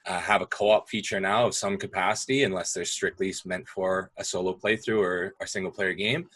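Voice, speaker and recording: Low, bright-toned young man explaining. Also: a little fast. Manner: relaxed, explanatory, hedging with fillers. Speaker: guest speaking about gaming. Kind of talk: casual video call discussion.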